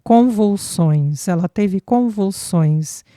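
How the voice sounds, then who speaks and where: A woman reading a young sister's lines in a calm, reasoning manner. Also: mid-range voice, unhurried, dry recording, studio quality, lightly acted. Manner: reasoning, conciliatory.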